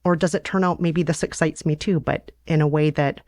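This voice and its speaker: A woman chatting reflectively and conversationally as a host on a relaxed bedtime podcast. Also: low voice, brisk, no room sound.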